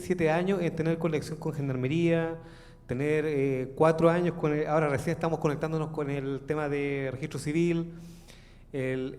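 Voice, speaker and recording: A Chilean man putting a spontaneous question from the floor of a seminar, halting and hesitant as he goes. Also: a little high, a little mellow. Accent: Chilean Spanish. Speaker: audience member putting a question. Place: large auditorium. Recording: reverberant hall.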